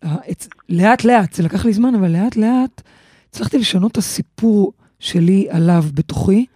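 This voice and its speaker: A woman's voice: medium pitch, dark tone, slightly rough, no echo, clean studio sound. A woman in a casual podcast chat, asking questions and sharing her thoughts hesitantly. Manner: inquisitive, hesitant, with fillers.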